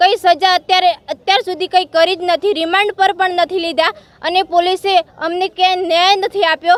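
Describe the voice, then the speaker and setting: A woman speaks at an extremely high pitch with fairly even intonation. The sound is dry, with no echo. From Gujarat, Banaskantha district; Gujarat. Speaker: daughter of murder victim. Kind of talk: news interview testimony. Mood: grieved, earnest demand for justice. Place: street. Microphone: handheld.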